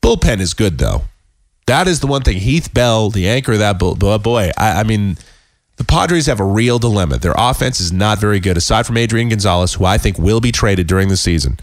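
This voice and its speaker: A man hosting a casual sports podcast, hoarse and sick with a cold, talking in a rambling, self-deprecating way with many halting restarts. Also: fairly low pitch, expressive, dry recording. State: hoarse, losing his voice. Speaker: podcast host.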